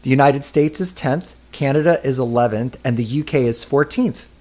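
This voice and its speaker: A man's voice: medium pitch, normal speed, darkish tone. Chatty man in his fifties hosting. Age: 50s. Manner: leads the talk, chatty and easygoing. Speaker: podcast host. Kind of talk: casual podcast chat.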